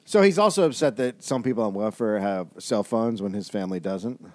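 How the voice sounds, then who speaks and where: A man's voice: fairly low pitch, fairly quick, a little mellow, no room sound. A man co-hosting a comedy podcast, reading quotes aloud and answering them with exasperated, profane comments. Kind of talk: casual comedic banter.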